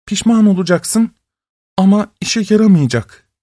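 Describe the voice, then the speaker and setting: A young fish wife from a storybook speaks high and pleading, voiced by a man narrating. Her raised voice sounds dry and close, with no room around it. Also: lively intonation, measured pace, warm tone, no echo. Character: sharp-tongued fish wife, young woman.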